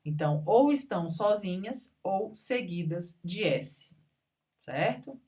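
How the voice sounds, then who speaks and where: Slow, low-voiced woman teaching. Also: expressive, a little mellow. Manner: patient, spells out examples word by word with frequent check-ins. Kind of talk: recorded classroom grammar lesson.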